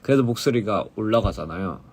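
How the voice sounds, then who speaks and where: A singer-songwriter chatting casually with viewers on a phone livestream, halting and searching for words, laughing often and switching between English and Korean. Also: on the low side, animated, breathy edge. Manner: laughs often while talking.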